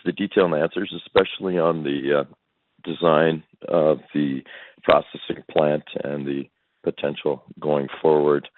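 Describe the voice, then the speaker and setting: A man's voice: extremely low pitch, no room sound. A man calling in as a financial analyst to put questions on an earnings call. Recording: dry narrowband phone line.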